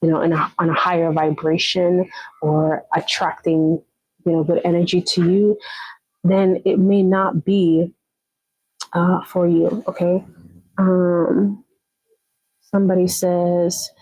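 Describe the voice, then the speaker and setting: Encouraging woman, lowish voice. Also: level tone, slow, pauses often, a little mellow, no echo, highs cut off. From Jamaica. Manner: encouraging, repeats herself, often checks in with okay. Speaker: live stream host. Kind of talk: casual motivational live chat.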